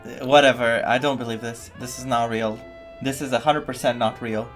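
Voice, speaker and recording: A man's voice: mid-range voice, fairly even intonation, brisk, over music. A man streaming a video game, reacting casually with incredulous, repetitive muttering.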